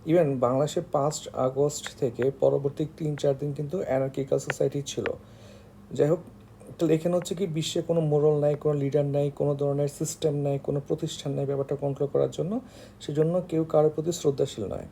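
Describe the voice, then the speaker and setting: Male online tutor, Bangladeshi accent, very mellow tone with gravelly fry, halting informal lecture delivery. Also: a little high, level tone, a little hiss or hum. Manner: halting, with frequent hesitations and filler phrases. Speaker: online tutor for job exam candidates.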